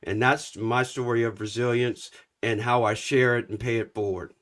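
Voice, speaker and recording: A middle-aged man who coaches, talking on a live show. He tells his story steadily and plainly, with an ordinary middle pitch. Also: steady tone, normal speed, a bit bright. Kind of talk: casual conversation on a live show.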